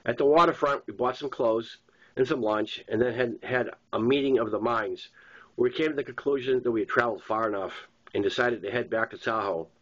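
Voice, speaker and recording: A Boston-accented author reads his first-person novel at a slightly fast pace, his voice medium in pitch. He keeps the narration plain despite occasional stumbles, and the recording has a dull, lo-fi sound.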